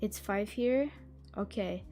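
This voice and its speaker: A woman's voice: medium pitch, takes it slowly, warm tone, soft background music. A woman who is not a native English speaker, hosting a casual livestream. She chats, giggles often and stumbles over words while reading a book blurb aloud. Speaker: livestream host.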